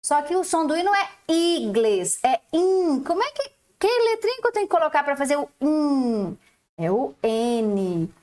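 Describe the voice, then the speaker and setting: A woman's voice: high-pitched, big pitch swings, darkish tone. A woman teacher, giving a recorded lesson to young children and stretching out each syllable as she explains. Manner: slow, drawn-out syllables, explaining. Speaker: primary school teacher.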